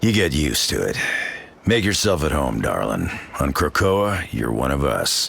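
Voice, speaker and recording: Using a put-on character voice, a man talks at a moderate pace in a very deep, low pitch. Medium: video game. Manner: gruff, casual.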